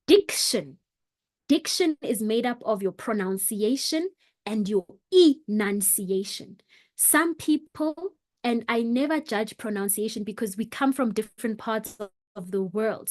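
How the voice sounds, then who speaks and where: A woman coaching an online workshop on public speaking, talking with expressive shifts in volume and pace for emphasis. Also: a little high. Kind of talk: motivational online workshop talk.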